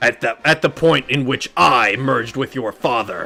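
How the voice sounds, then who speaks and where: A man's put-on character voice at a medium pitch, with faint music in the background. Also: moderate pace. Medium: game stream. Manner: cold, commanding.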